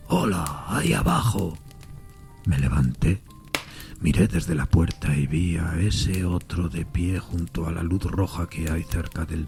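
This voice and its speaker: An actor playing a solitary, troubled railway signalman in an audio drama, speaking gravely and earnestly with a sense of dread. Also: deep voice, a little mellow, full character voice.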